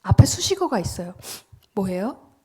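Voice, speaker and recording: A woman's voice: mid-range voice, very animated, moderate pace, breathy edge. A woman preaching a sermon in an emphatic style, often dropping to a whisper and asking the congregation questions she then answers herself. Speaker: pastor.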